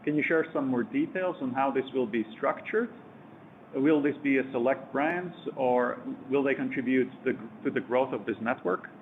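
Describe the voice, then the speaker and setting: A man's voice: medium pitch, moderate pace. A man acting as a company representative on an earnings call, reading out questions and chiming in. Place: conference call line. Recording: phone-like conference line with faint noise.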